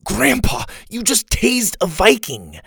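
A man voicing an excitable, cheeky young boy who exclaims in wide-eyed fashion. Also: sits high, takes it slowly, gravelly, husky, dry recording, studio quality, voice pushed up, full character voice. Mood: shocked.

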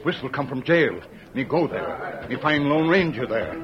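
An actor playing a loyal, earnest Native American sidekick in an old radio western, speaking in slow, halting broken English. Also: male voice, mid-range voice, big pitch swings, close to an everyday voice. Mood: alert. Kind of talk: 1940s radio western acting. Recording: noisy, muffled old radio recording.

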